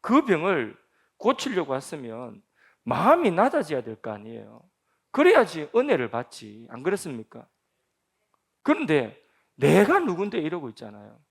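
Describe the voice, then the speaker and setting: A male pastor preaching in a church, voice pitched a little high and swinging widely up and down. His tone has a gravelly edge. He keeps pressing the congregation with rhetorical questions. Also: huge pitch swings, normal speed. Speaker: senior pastor. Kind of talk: sermon at a Friday prayer meeting. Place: church sanctuary.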